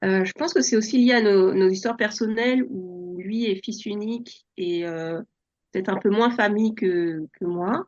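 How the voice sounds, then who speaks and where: A soft-spoken woman in her forties, born in France, telling her story as an interview guest with many hesitations. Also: mid-range voice, normal speed, dull audio. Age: 40s. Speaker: podcast guest. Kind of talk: relaxed personal interview.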